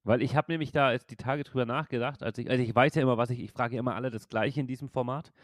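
A man's voice: mid-range voice, steady tone, very fast, no room sound, clean studio sound. A man in his thirties hosting a casual podcast chat, rambling and laughing often, with a loose, swearing way of talking. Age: 30s. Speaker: podcast host and streamer.

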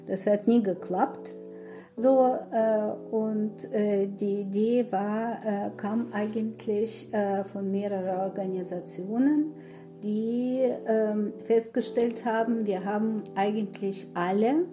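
A woman in her sixties from Ukraine, answering interview questions in a halting way with many pauses and fillers. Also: medium pitch, steady tone, music in the background, rough recording. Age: 60s. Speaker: guest, association founder.

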